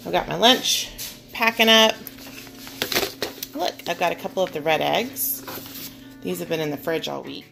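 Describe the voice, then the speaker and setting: A woman's voice: fairly low pitch, lively intonation, normal speed, gravelly, pauses often. A woman in her forties chatting casually and rambling in a vlog. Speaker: vlogger. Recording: distant mic under loud music.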